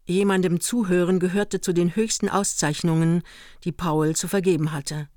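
A woman's voice: fairly low pitch, fairly even intonation, normal speed, dark tone, dry recording, clean studio sound. A woman reading scripted narration as the narrator of a radio play, with music underneath.

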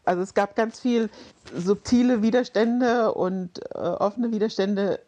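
A woman's voice: medium pitch, warm tone. A woman from Germany, an interview guest, speaking reflectively with frequent hesitations and small laughs. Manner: reflective, hesitant with fillers, quick light laughs.

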